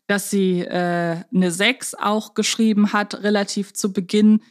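A woman's voice: medium pitch, steady tone, unhurried. Chatty woman co-hosting a casual podcast. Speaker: podcast host. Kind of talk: casual humorous fan podcast discussion.

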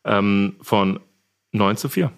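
Low-voiced man moderating a quiz. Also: slow, smooth. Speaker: quiz master on a podcast. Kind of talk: casual moderating.

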